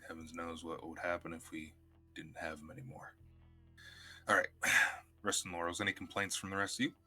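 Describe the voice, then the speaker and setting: A man's voice: deep voice, steady tone, brisk, bright, forceful tone, soft background music. A man playing a tabletop role-playing game, talking casually in character with folksy phrasing.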